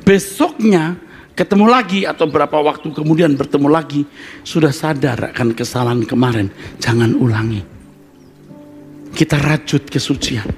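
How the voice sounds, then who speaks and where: A male pastor preaching a live sermon to a congregation, swinging between hushed asides and loud emphatic bursts and joking with the listeners. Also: on the high side, normal speed, soft background music. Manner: jokes with and teases the congregation. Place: church service with live congregation.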